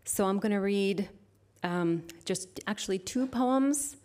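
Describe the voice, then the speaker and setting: A middle-aged woman poet speaks into a stage microphone at a literary evening. Her voice sits at an everyday middle pitch. She introduces her work in a halting, searching way, then reads her poems slowly and with care. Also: a little mellow. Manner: hesitant, halting introduction, then slow measured reading. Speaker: poet and university lecturer. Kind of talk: poetry reading with spoken introduction.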